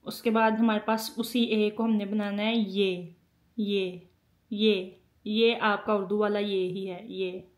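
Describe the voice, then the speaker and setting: A woman's voice: medium pitch, level tone, unhurried, hardly any pauses. A woman teaching a language lesson, patiently explaining and repeating each sound several times while she writes. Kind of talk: spoken lesson.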